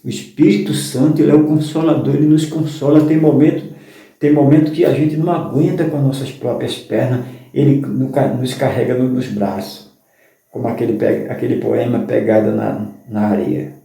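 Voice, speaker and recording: A man's voice: medium pitch, steady tone, normal speed, vocal fry, warm tone. A man preaching a fervent sermon as a pastor, with a Brazilian Portuguese accent and a repetitive style. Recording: very echoey room.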